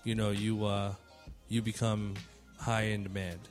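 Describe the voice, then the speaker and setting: Low-pitched man chatting casually, music behind. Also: little pitch movement, a little slow. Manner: slangy, conversational, swears freely. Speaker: music producer hosting a panel Q&A. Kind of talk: casual chat.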